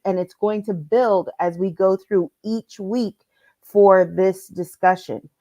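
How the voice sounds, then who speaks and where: A woman's voice: mid-range voice, darkish tone. A middle-aged woman life coach leading a live-streamed lesson, her voice a little congested from allergies, speaking directly to her viewers in an upbeat way.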